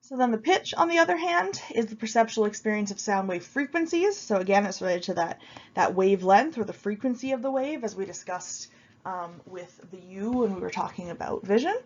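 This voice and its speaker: A woman's voice: mid-range voice, lively intonation, fairly quick, highs cut off. Sniffly woman lecturer with a cold. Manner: informal, explanatory, frequent ums and restarts. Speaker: university lecturer. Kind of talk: recorded video lecture.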